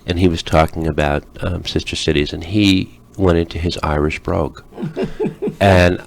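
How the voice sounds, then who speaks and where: Deep-voiced man hosting a radio talk show. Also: moderate pace, gravelly. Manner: relaxed, chatty with many ums. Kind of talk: casual radio interview.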